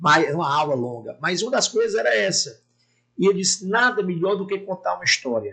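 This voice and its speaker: In a raised, projected voice with a bright, sharp tone, a man speaks at a high pitch and a fairly quick pace with lively intonation. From Brazil, Fortaleza (Ceará). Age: 40s. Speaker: former politician. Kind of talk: podcast interview. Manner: fast, runs words together.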